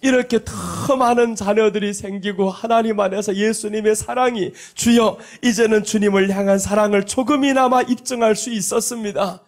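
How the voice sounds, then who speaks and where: A man preaching a revival sermon in a high voice. He speaks with emphasis and acts out the quoted lines of the people in his story as he goes. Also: fairly even intonation, normal speed, few pauses. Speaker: pastor.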